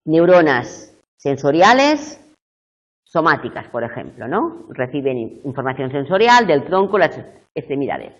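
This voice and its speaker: This middle-aged woman has a deep voice with big swings in pitch, and she keeps a measured pace. She's delivering a live video tutorial lecture for university students, breaking things down step by step and regularly checking in with them, captured in muffled lo-fi classroom audio.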